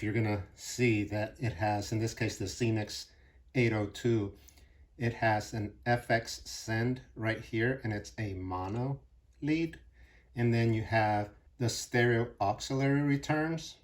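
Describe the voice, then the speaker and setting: Male tutorial presenter, lowish pitch, informal and plain-spoken, explains a hands-on demonstration one step at a time. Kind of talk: casual hands-on gear demonstration.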